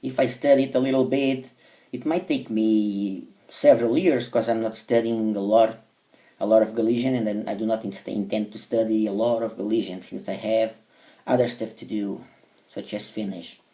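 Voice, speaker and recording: A man's voice: fairly low pitch, steady tone, moderate pace, dark tone, distant mic. A man from Portugal with a Portuguese accent, a native Portuguese speaker, talking casually to camera in hesitant English full of fillers and restarts. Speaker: language learner vlogger.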